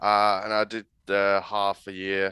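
A man talks with a fairly low pitch and a bright, sharp tone. The recording is very clean and dry, close with no echo and a silent background. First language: Finnish. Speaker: university lecturer and sport psychology consultant. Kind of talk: casual interview.

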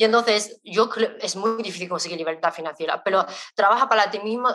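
A bright, sharp tone comes through in this voice with a Chinese accent. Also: woman. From China. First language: Chinese (speaking Spanish). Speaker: software developer. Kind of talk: webinar talk.

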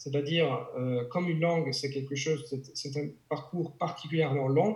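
A man speaks with an Italian accent at a fairly slow pace. His pitch varies in an ordinary way. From Italy. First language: Italian (speaking French). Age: 40s. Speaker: polyglot language coach. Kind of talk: interview conversation.

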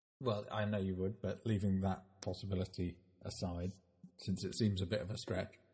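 Over music in the background, a man with a very deep, low pitch speaks in a monotone, flat intonation at a moderate pace. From Somerset, England. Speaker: political podcast co-host. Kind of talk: casual political chat.

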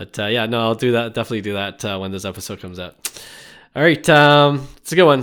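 A man with a Canadian accent uses an ordinary speaking voice at medium pitch, with ordinary pitch variation. The recording is very clean and the background silent. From Canada (Toronto). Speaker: podcast host. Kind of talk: casual interview.

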